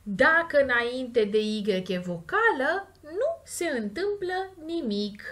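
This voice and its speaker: A woman with a Romanian accent, teaching English grammar and stressing the example words slowly and clearly. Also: high voice, very animated, sharp tone. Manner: slow, stressed model words between quick explanations. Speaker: language teacher. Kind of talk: explaining grammar in a recorded lesson.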